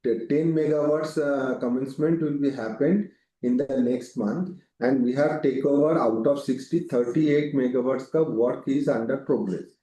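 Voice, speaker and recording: A man's voice: mid-range voice, normal speed, mellow. A man with an Indian accent answering as a company executive on a business call, emphatic and repetitive. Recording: echoey room, faint background noise.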